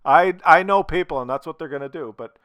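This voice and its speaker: A man's voice: a little high, a little fast, fairly bright tone, clear, resonant tone, no echo, clean studio sound. A man talking casually to his viewers, blunt and opinionated, swearing freely, while losing his voice from a cold. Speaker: gaming video creator.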